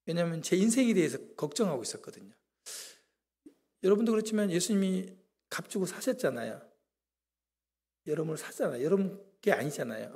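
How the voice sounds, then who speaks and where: A middle-aged man with a gravelly, husky voice pitched a little high gives a sermon testimony in a church. He tells his story with self-deprecating humor. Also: darkish tone. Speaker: guest preacher.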